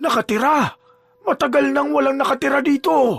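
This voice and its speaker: The man puts on a character voice at an extremely high pitch. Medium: read story. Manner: warm, fatherly.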